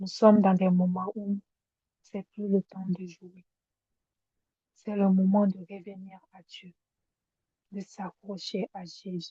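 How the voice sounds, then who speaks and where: Very slowly and in a flat monotone, a woman with a dark, mellow, somewhat breathy tone speaks with long, frequent pauses and big swings in loudness, the sound dry and close with no echo. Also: medium pitch for a woman. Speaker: preacher leading a spiritual camp. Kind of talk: sermon.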